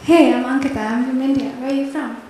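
A young woman plays a patronizing stranger who keeps pressing with breezy, condescending questions. Her voice sits high and carries through a big wooden hall. The mic catches it from some distance, with lots of room echo. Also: steady tone, fast, mellow, slight background noise, close to an everyday voice. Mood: friendly. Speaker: performer in a staged dialogue. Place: large wooden-walled hall. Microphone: handheld mic. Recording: roomy hall sound from a distance.

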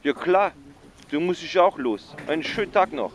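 A man's voice: a little high, expressive, normal speed, very noisy, lightly acted. An actor playing a bumbling male secret agent who calls the police, stammering with constant filler sounds. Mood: flustered. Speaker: caller. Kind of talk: radio play acting.

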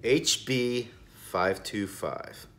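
A man's voice: on the low side, very slow, a bit bright, soft background music. A man in his forties hosting a cigar video channel, talking in an emphatic, indignant casual rant from a small room full of boxes. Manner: emphatic, indignant, gestures broadly with hands. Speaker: cigar review channel host. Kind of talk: opinionated casual vlog rant. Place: small storage room stacked with boxes, indoors.

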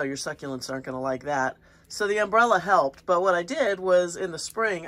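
A sniffly, slightly congested voice talking loosely in the open air of a backyard garden. The speaker rambles in an easygoing way, with plenty of ums and small chuckles. The mid-pitched voice is captured on a handheld phone. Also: a bit bright. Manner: rambling and chatty, with many fillers and small laughs. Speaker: gardening channel host. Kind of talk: casual walk-and-talk garden vlog. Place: outdoors in a home garden after light rain. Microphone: handheld phone camera.

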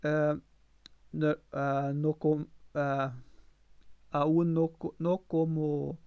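Male streamer, slow and halting, clear but dull dry home-mic sound. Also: on the high side, little pitch movement, dry recording. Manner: halting, many fillers and restarts. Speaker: streamer learning languages. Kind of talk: live-streamed language practice.

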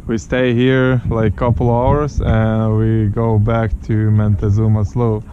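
Slow-talking man on a boat, noisy outdoors. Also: on the low side, flat delivery, highs cut off. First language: Ukrainian. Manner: slow, broken English, addresses viewers as guys. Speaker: fishing vlogger. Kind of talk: casual narration to viewers. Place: small boat outdoors on open water. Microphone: action camera on the boat. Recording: outdoor wind and engine noise.

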